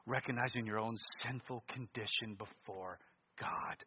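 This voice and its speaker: A man preaching a sermon with passion, swinging between loud declarations and hushed, intense tones, his voice a little husky. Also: medium pitch, expressive, moderate pace, a little hiss or hum. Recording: dull lo-fi sound with long hall reverb.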